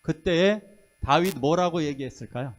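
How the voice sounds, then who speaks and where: A man's voice: fairly high pitch, normal speed, dull audio, soft background music. A middle-aged male pastor preaching a sermon, telling stories and acting out the voices of the people in them. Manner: lively storytelling sermon, acting out quoted voices.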